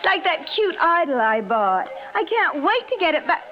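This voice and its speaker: A woman's voice: very high voice, very animated, normal speed. A spoiled coquettish young lady. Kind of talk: 1950s radio drama acting. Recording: dull old radio recording with faint hiss.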